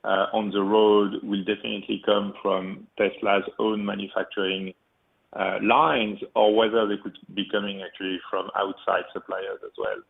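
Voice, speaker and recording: A man's voice: fairly low pitch, flat delivery, moderate pace, gravelly. A man calling in as an analyst to put questions on an earnings call, over a tinny phone line. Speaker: caller asking questions, analyst.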